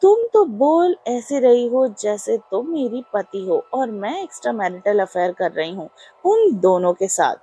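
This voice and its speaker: A woman's voice: a little high, very animated, measured pace, warm tone, slightly rough, full character voice. A woman voicing a teasing, affectionate college girl. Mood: amused. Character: cheerful, coaxing young woman student.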